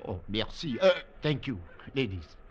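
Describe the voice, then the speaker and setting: An actor playing a deferential hotel porter with a French accent, in 1940s radio acting. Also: male voice, fairly low pitch, very animated, moderate pace, muffled recording, a loud crowd. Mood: obliging. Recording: hissy old radio broadcast, heard from off-mic.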